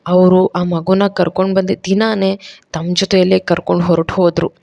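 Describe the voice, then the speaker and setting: A woman voicing a gentle middle-aged aunt who speaks softly and sorrowfully. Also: lowish voice, flat delivery, fairly quick, gravelly. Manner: soft, tender, sorrowful.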